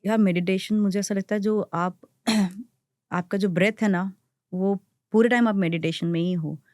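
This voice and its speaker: Chatty actress mixing Hindi and English. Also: female voice, mid-range voice, moderate pace, no room sound, studio quality. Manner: mixes Hindi and English freely, storytelling; animated, acts out others' quotes. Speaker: actress, interview guest. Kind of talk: podcast interview chat.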